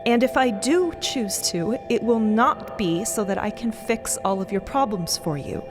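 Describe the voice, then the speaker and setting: A woman playing a composed, firm young woman in an audio drama, speaking with measured restraint. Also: on the high side, lively intonation, over music. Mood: calm, resolute. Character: composed young woman firmly standing up to family.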